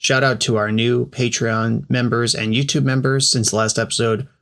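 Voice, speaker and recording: A man co-hosting a podcast, talking in a relaxed, chatty and slangy way. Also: mid-range voice, normal speed. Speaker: podcast co-host. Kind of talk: casual podcast chat.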